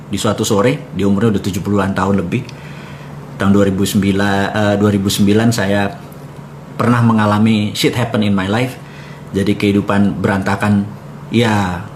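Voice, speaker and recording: Man, live talk host, casual storytelling, sprinkles English phrases, faint background noise. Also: lowish voice. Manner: mixes English phrases into speech, animated when quoting.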